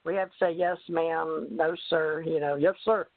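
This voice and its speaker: A woman's voice: low-pitched, fairly even intonation, normal speed. A woman from the southern United States, a producer joining the show as co-host, who speaks politely and formally. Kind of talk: casual chat. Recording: dry, phone-like call audio.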